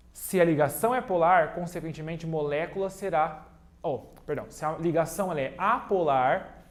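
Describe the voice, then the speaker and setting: Working at a digital whiteboard, a man with a voice on the high side teaches a chemistry video lesson. He goes step by step, repeats the key points, and speaks straight to his students. He keeps it playful by cracking jokes at his own expense between explanations.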